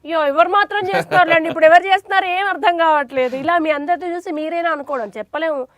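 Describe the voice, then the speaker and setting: A woman's voice: very high-pitched, fairly even intonation, quick pace, a bit bright, dry recording. A woman interviewer speaking in a casual, chatty interview style.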